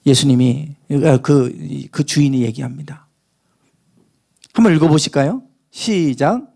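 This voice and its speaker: A man preaching a sermon as pastor, telling a parable with lively acted-out dialogue. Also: on the high side, a little slow, gravelly. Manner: animated storytelling, acting out the parable's dialogue.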